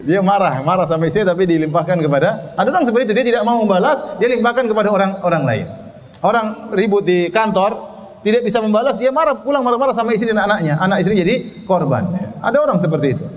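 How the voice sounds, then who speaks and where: A man with a high voice gives a religious study lecture on hadith. He reads the Arabic narration and then explains it plainly, chuckling at his own examples. His voice rings with a long reverb. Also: animated, fast. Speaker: Islamic teacher.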